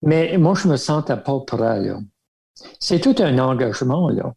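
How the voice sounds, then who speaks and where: An older Acadian man from Baie Sainte-Marie, with a gravelly, mellow voice. He reminisces in an easygoing way, breaking his sentences with fillers and light chuckles. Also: medium pitch, sing-song, unhurried. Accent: Acadian French from Baie Sainte-Marie. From Baie Sainte-Marie, Nova Scotia. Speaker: guest, religious brother. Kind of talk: casual storytelling interview.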